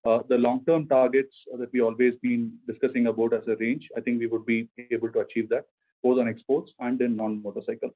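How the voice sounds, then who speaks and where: A man speaking as a company finance executive, giving measured corporate answers to analysts on an earnings conference call. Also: mid-range voice, level tone. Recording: phone-like conference call line.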